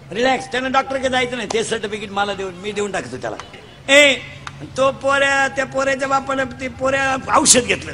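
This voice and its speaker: A middle-aged man from Maharashtra delivering a comic devotional sermon. He tells stories fast, acts out the characters and shouts the punchlines. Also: very high-pitched, a little hiss or hum. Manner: rapid storytelling, acting out characters, shouting punchlines. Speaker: kirtan preacher.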